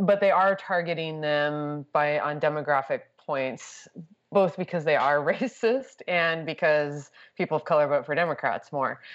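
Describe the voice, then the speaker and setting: A woman with an American accent speaks at a very deep, low pitch and fairly slow pace, with ordinary pitch variation, over a quiet background. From Texas. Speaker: political writer. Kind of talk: casual chat.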